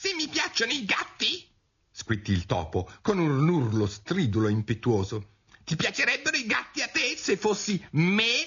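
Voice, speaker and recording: In a put-on character voice, a man speaks at a moderate pace, high-pitched, shrill and squeaky. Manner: impetuous, shrieking.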